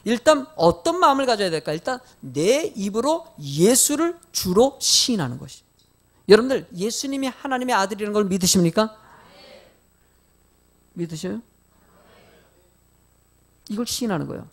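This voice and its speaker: Middle-aged male preacher, fairly high voice, folksy storyteller who questions his flock. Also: normal speed, long pauses. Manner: animated, questions the congregation directly; folksy storytelling with light humor. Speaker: pastor. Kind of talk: sermon.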